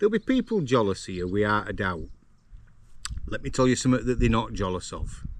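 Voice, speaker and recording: The speech, in a Yorkshire accent, moves at a very fast pace. The background is quiet. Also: man. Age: 60s. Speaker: vlogger, farmer and former bus worker. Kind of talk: casual monologue vlog. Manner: animated, stumbling over words.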